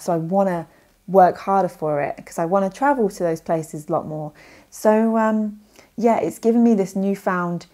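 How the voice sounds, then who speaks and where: Woman, young adult, casual vlog, rambling, self-correcting, lowish voice. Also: warm tone. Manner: chatty and rambling, many fillers and self-corrections. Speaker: language learning vlogger. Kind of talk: casual talking-head vlog.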